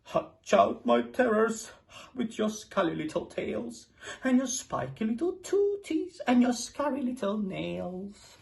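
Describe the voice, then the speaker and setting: A woman's voice: big pitch swings, slow, gravelly, a little mellow, full character voice. A woman playing a scornful mother tyrannosaur. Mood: crooning. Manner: scornful, swooping pitch. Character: big dim-witted mother tyrannosaur, fussy and scornful. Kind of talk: storybook read-aloud.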